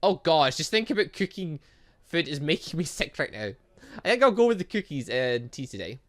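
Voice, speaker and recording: A let's play host with a bright, forceful voice of middling pitch. The delivery is very animated, moving between reading game text aloud and offhand, jokey commentary. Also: a little fast. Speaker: gaming video host.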